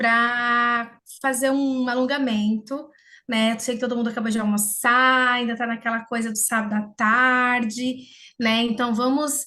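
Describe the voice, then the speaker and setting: Bright, sharp tone in flat, monotone intonation at a fairly slow pace against a quiet background. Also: woman. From Brazil, São Paulo state interior. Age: 40s. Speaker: psychology student presenting at a congress. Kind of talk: guided stretching exercise; conference talk. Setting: video call (online congress via Zoom).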